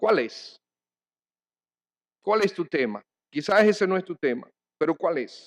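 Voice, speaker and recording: The voice moves at a fairly slow pace with very wide pitch swings and long, frequent pauses, recorded with a dry, close sound and no echo. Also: man, high pitch for a man. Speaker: pastor. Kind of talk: sermon. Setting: church.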